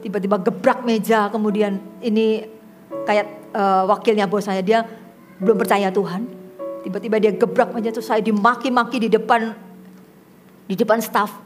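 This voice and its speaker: A woman's voice: mid-range voice, moderate pace, pauses often, music in the background. A middle-aged woman pastor preaching a sermon, telling stories and acting out the voices of the people in them. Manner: lively storyteller acting out quoted dialogue. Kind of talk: sermon with storytelling.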